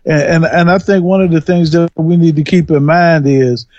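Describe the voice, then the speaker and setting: A man calling in to a radio talk show, speaking in a halting way and repeating words as he complains. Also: fairly high pitch, fairly even intonation, darkish tone, dry recording. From United States. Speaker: caller. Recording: dull, dry phone line.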